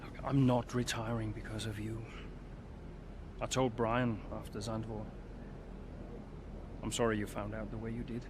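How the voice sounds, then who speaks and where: A man playing a gruff, blunt veteran racing driver in a game cutscene, speaking tersely. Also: lowish voice, level tone, moderate pace, long pauses, close to an everyday voice. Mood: curt, irritated. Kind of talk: dramatic game cutscene dialogue. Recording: noisy ambience with vehicle sounds.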